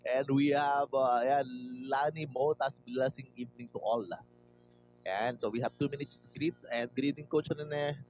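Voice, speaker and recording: A man's voice: medium pitch, steady tone, a little slow, darkish tone, slight background noise. A Filipino man hosting a livestream, casually greeting viewers by name, reading comments aloud and mixing Tagalog with English. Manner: mixes Tagalog and English freely. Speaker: livestream host. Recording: dull lo-fi livestream audio with faint music.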